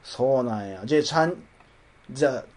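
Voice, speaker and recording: A man's voice: mid-range voice, animated, fairly quick, a little mellow. A man with a Kansai accent co-hosting a casual chat podcast, teasing and bantering playfully. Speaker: podcast co-host.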